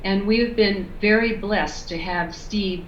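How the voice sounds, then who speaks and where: A woman who belongs to a foundation family, speaking warmly and gratefully in praise of its leader. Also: medium pitch, a little slow. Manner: warm, grateful, effusive praise. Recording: dull, echoey call audio with faint noise.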